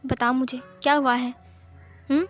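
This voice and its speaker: A woman's voice: high-pitched, level tone, moderate pace, fairly bright tone, faint music behind. A woman voicing a caring, protective young man who coaxes and soothes, in a storybook reading. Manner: soothing, coaxing questions.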